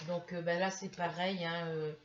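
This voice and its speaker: A woman's voice: fairly low pitch, level tone, normal speed, dull audio, a little hiss or hum. Chatty grandmother showing a haul. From France. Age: middle-aged. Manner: chatty, hesitant, many restarts. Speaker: craft vlogger. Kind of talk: casual haul video.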